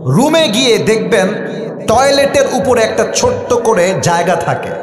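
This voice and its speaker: A Bangladeshi man preaching through a dramatic personal anecdote, acting out the dialogue and dropping in English phrases. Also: sits high. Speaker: Islamic preacher. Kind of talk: sermon-style anecdote telling. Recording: echoey hall with long reverb.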